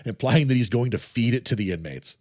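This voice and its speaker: A man's voice: medium pitch, fairly quick, dry recording. Man recapping a film, dry close sound. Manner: steady recapping with frequent "uh" and laughs. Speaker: podcast host. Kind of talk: casual chat, recapping a film plot.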